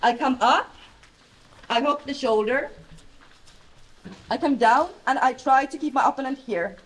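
Woman, Finnish accent, thirties, high voice, slow halting delivery, loud plain instructor, distant camera, big bright mat hall. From Finland. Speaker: jiu-jitsu instructor. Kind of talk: live technique demonstration.

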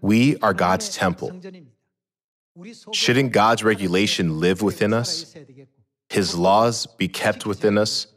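A middle-aged man preaching a sermon at a pulpit, measured and posing rhetorical questions he then answers. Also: lowish voice, a bit bright. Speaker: pastor. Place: large church hall, at a pulpit. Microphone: podium microphones.

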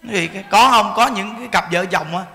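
Animated monk preaching. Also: male voice, high-pitched, fast talker. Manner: folksy, animated storytelling with quoted voices. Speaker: Buddhist monk teacher. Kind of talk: sermon. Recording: long hall reverb.

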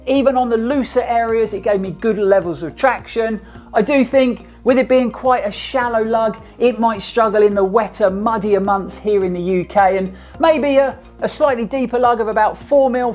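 A middle-aged man giving an energetic, chatty running shoe review to camera from a small home studio. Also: high-pitched. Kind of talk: upbeat gear review to camera.

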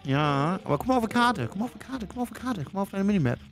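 Slightly high-pitched man with a creaky edge. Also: sing-song, very fast, music in the background. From northern Germany. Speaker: co-host of a gaming let's play, backseat advisor. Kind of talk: casual gaming commentary.

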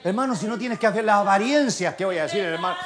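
An older man with a Chilean accent preaching a fervent sermon, swinging from quiet asides to shouted exclamations and firing rhetorical questions at the congregation. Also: high voice, animated, very fast, a crowd in the background. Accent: Chilean Spanish. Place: church service.

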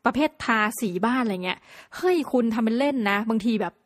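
A woman's voice: a little high, fast, no echo. Chatty woman with a dry close sound. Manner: chatty and playful, with lively exclamations. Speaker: podcast host. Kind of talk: casual solo podcast talk.

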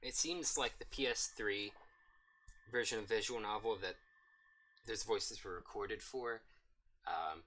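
Hoarse man chatting while streaming a game. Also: fairly low pitch, bright, forceful tone, poor audio. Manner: rambling, thinking aloud with fillers. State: hoarse, coughing. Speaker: streamer reading a visual novel aloud. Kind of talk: casual let's-play commentary.

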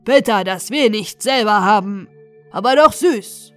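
A woman voicing a boisterous, commanding male robber captain in a storybook reading, hearty and loud. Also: mid-range voice, expressive, measured pace, soft background music, lightly acted. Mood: gleeful. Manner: loud, jovial, commanding exclamations. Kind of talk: storybook character voice in an audiobook.

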